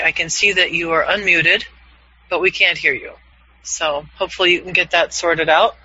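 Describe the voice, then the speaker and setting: A man in his fifties, a voiceover coach leading an online class, upbeat and quick to laugh. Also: high voice, pushed and bright, husky. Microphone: video call. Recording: dull, lo-fi video call audio.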